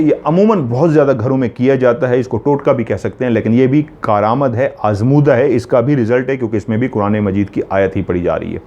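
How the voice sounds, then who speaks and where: A man's voice: lowish voice, warm tone, dull audio. A man earnestly explaining spiritual remedies step by step, repeating each instruction to be sure it is followed. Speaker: spiritual healer teaching remedies.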